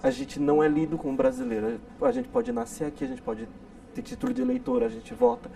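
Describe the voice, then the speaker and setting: A man from the interior of São Paulo, a guest speaking in a measured way and searching for his words. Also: very high voice, vocal fry, dark tone. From Brazil, interior of São Paulo. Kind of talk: casual interview talk. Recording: distant mic with faint noise.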